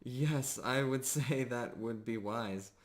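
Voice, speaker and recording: A man voicing a polite, helpful woman shopkeeper in a tabletop game, speaking in a measured way. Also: mid-range voice, lightly acted. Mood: gently concerned. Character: courteous woman shopkeeper selling potions and arrows.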